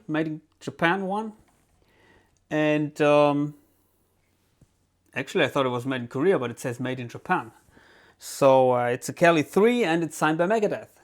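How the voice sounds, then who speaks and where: German-accented man reviewing an album. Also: on the high side. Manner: relaxed, hesitant, lots of ums and restarts. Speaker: guitar channel host.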